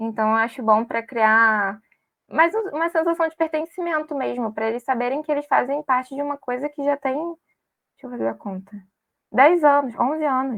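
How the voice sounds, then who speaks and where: A woman with a high voice speaks at a moderate speed, her intonation lively. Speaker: former member of a student enterprise, invited speaker. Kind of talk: talk to a student group. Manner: casual.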